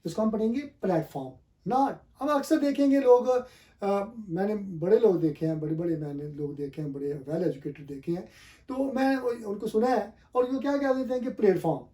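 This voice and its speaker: A mellow, high-sitting male voice with lively intonation moves at normal speed through an English pronunciation lesson. With an Urdu-speaking South Asian accent, he teaches classroom-style, emphasizing and repeating correct forms and spelling each word letter by letter.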